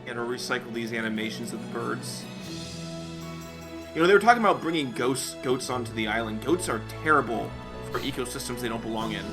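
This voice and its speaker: A man's voice: mid-range voice, brisk. A man co-hosting casual reaction commentary, making joking, dryly philosophical asides. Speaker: co-host of a watch-along commentary. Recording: loud cartoon music behind.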